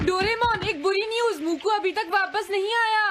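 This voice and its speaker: Very high-voiced anxious boy. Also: normal speed, background noise. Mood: worried. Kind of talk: dubbed cartoon acting. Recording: music under the voice.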